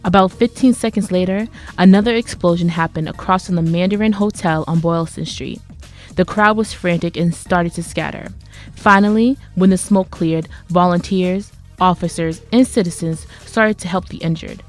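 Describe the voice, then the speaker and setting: A woman's voice: on the low side, normal speed, soft background music. A woman reading scripted news and announcements as a college radio reporter.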